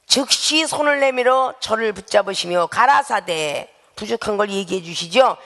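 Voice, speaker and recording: Gravelly-voiced woman pastor preaching in echoing hall. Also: mid-range voice, animated, normal speed, a bit bright. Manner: emphatic, calls out questions to the congregation. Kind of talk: sermon. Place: church sanctuary. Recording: long reverberant hall sound.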